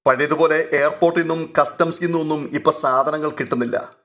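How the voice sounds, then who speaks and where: A dry, mocking ex-soldier of middle age, read by a male narrator, sharper and a touch brighter than the narration. He sounds cold and unbothered by his visitors, in a storybook reading. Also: fairly high pitch, fairly even intonation, fairly quick. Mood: sardonic. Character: dry, sarcastic middle-aged ex-soldier host.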